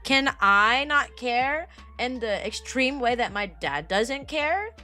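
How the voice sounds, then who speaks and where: A woman streamer chatting casually with her viewers, her voice raspy and weak from allergies, rambling in loose slang. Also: fairly high pitch, expressive, slow pace, bright, forceful tone, soft background music. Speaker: VTuber streamer. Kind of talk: casual livestream chat, replying to chat.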